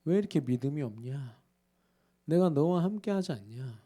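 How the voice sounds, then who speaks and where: A male pastor voicing Jesus, a gentle grown man who tenderly reassures and rebukes his disciples. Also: fairly high pitch, animated, moderate pace. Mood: tender pleading.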